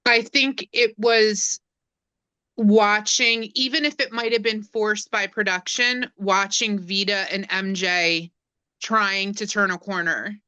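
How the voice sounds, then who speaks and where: A woman guesting on a casual podcast, talking in a measured, casually profane way. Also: mid-range voice, steady tone, sharp tone, smooth, no echo, muffled recording.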